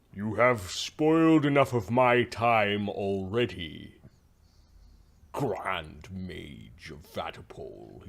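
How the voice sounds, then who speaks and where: At a very slow pace, a man delivers a booming put-on character voice with a fairly low pitch. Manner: disdainful, impatient, well practiced.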